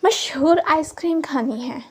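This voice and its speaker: A woman's voice: high voice, a little slow. A woman voicing a whiny pregnant young man. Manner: sulky, tearful pleading.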